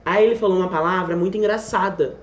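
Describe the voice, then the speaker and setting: A young Brazilian man with a Brazilian Portuguese accent, telling a funny story in casual chat, animated and laughing often, with restarts. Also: sits high, fast, muffled recording, slight background noise. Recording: echoey room.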